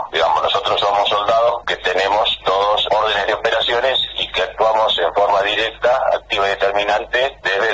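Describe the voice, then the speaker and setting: Noticeable background noise runs through the clip. The speech has hardly any pauses. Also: man. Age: 60s. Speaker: war veteran, association president. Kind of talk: radio interview.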